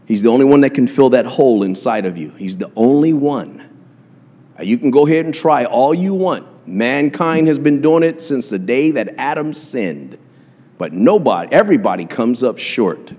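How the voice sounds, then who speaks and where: A man's voice: medium pitch, big pitch swings, normal speed, dark tone, long reverb tail. A man preaching a sermon in a church, impassioned and repetitive, with frequent fillers and restarts. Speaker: pastor.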